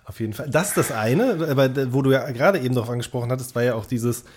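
Rapid-fire and slightly breathy, this man's mid-range voice carries a loose, conversational podcast exchange. As co-host, he rambles wordily, keeps revising what he says, and takes the long way around to his point.

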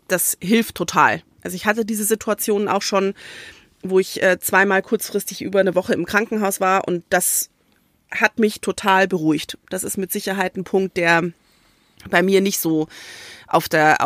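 A woman in relaxed podcast conversation tells stories with animated energy and acts out the lines she quotes. Her voice sits in a middle register and sounds dry and close to the mic. She talks things through with plenty of small fillers. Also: medium pitch, no echo. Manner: lively storytelling, acts out quotes. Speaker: podcast co-host. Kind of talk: casual chat.

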